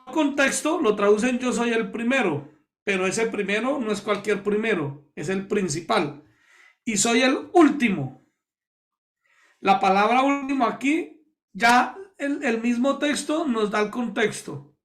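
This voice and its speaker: A pastor from Colombia leading a Bible study, explaining words slowly and repeating key terms to his listeners. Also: extremely high pitch, expressive.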